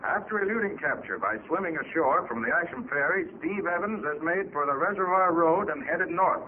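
An actor playing a commanding master detective, making formal, deliberate announcements in a 1940s radio drama. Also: male voice, fairly high pitch, expressive, natural voice. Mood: grave, urgent. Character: commanding male master detective broadcasting a manhunt appeal. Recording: narrow, lightly noisy old radio recording.

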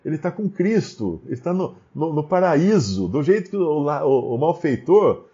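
A Brazilian Portuguese-accented man explains Scripture in a lively, swinging voice. He fires off rhetorical questions and keeps restarting his sentences. His tone is mellow, and the recording sounds a bit dull and lo-fi. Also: fairly high pitch, moderate pace. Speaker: Bible commentator. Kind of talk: Bible study commentary.

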